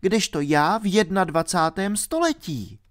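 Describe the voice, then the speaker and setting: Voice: medium pitch, expressive, pitched above the performer's own voice, close to an everyday voice. A reader voicing a ten-year-old girl, bold and determined, speaking eagerly and insistently in a storybook reading.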